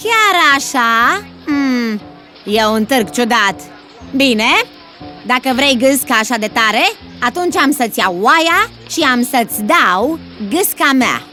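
A grumpy cartoon woman with a high, sharp voice that swings widely. She complains and snaps at people, and music plays softly behind her. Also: animated. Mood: grudging. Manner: complaining, quick to snap. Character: grumpy, shrill woman who owns a goose. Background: background music.

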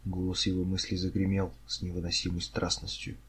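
A man narrating an audiobook in a steady, dramatic reading style. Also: deep voice, fairly quick, slightly rough. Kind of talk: scripted narration.

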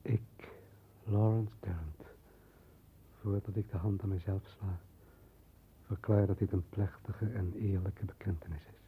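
An actor playing a doomed, down-and-out man reading out his confession, solemn, halting and resigned, in a 1960s radio drama. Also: fairly even intonation, dark tone. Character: doomed, down-and-out brother solemnly confessing in suicide letter. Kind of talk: 1960s radio drama, letter read as voice-over. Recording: muffled, noisy old radio recording with rumble.

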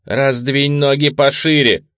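A man's voice: mid-range voice, fairly even intonation, a little slow, fairly bright tone, dry recording, studio quality, pitched above the performer's own voice, close to an everyday voice. A man reading an audiobook and voicing a hard, sarcastic female agent who gives orders in a cold, mocking tone. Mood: commanding.

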